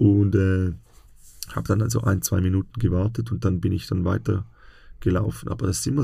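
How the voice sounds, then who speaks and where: This man has a dark, mellow tone. Vocal fry runs through his voice. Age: 30s. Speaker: stand-up comedian. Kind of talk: casual chat.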